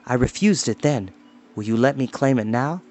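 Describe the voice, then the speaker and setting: A man's voice: medium pitch, animated, normal speed, darkish tone, close to an everyday voice. A man reading a storybook aloud and voicing an earnest young pig keeper who pleads his case respectfully.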